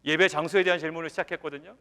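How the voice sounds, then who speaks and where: Male pastor, raised voice, animated sermon that drops to hushed asides, long church reverb. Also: a little high, very fast, clear, resonant tone. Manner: animated preaching, swings from loud emphasis to near-whisper, many rhetorical questions. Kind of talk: weekday sermon.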